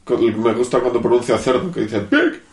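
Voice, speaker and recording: A man co-hosting a casual film podcast, relaxed and a bit hesitant. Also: medium pitch, brisk, echoey room, slight background noise. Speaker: podcast co-host.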